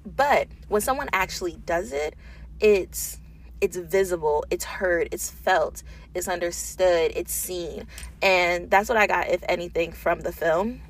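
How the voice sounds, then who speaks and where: In a small office booth, a woman with a lowish voice speaks a little slowly, hosting an unedited solo podcast. She talks casually and informally, thinking aloud as she goes.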